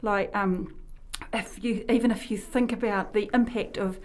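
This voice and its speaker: A woman's voice: medium pitch, fairly even intonation, unhurried. A woman with a New Zealand accent who works in health promotion, hosting a casual radio chat and talking in a rambling way that often sidetracks itself. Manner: chatty, rambling, sidetracks herself. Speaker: health promotion worker and show host.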